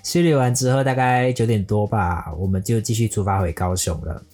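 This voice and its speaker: A man telling a scripted personal story in a lively way, dropping English words into his sentences. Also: lowish voice, brisk. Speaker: storyteller recounting a motorbike trip. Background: faint guitar music.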